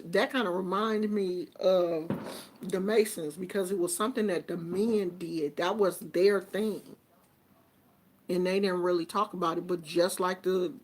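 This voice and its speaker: Chatty woman in her fifties. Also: medium pitch. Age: 50s. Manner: chatty and informal, with colloquial phrasing. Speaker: host. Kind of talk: casual live chat with viewers.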